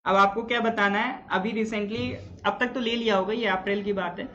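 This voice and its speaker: A man's voice: high-pitched, steady tone, moderate pace, sharp tone, lo-fi sound, a little hiss or hum. Chatty teacher man quizzing live viewers. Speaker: exam-prep teacher. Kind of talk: live online class.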